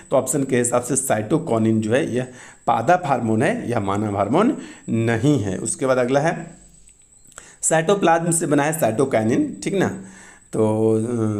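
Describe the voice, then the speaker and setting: A man with a Bihari Hindi accent going through exam questions one by one, explaining the answers in a casual, quick teaching manner with frequent asides. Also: medium pitch, darkish tone.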